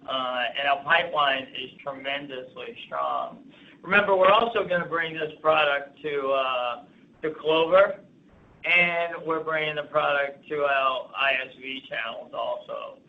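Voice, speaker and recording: A man speaking as a company executive on an earnings call, giving halting business commentary with repeated and restarted phrases. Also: a little high. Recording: thin phone-line sound.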